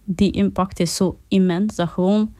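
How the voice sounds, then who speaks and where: A woman speaking in a news interview clip, her voice disguised by AI voice alteration, talking in a halting, plain way. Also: mid-range voice, fairly even intonation, warm tone, no room sound.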